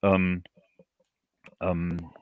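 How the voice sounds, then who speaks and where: A man speaking casually as a guest in a livestream interview, halting and repeating words as he searches for phrasing. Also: low voice, monotone, dry recording, narrow, tinny audio. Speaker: guest, audio drama author.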